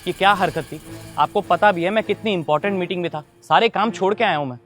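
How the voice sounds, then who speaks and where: A man's voice: sits high, quick pace, a bit bright, faint music behind. A man playing a busy father who argues defensively with his daughter's school principal. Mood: irritated. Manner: defensive, irritated. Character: busy father, irritated then apologetic. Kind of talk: short drama skit.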